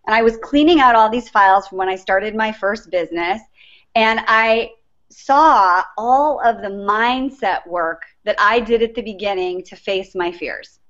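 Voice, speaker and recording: A woman's voice: mid-range voice, unhurried, a bit bright. A middle-aged woman, a life coach, telling her story earnestly as an interview guest. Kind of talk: interview answers, personal story. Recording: dull lo-fi recording.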